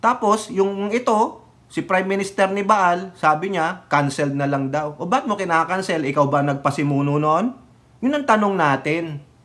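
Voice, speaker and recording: A man's voice: sits high, normal speed, a bit bright. A man from the Philippines ranting in casual political commentary, sarcastic and mocking, often laughing and mixing in English phrases. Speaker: political vlogger.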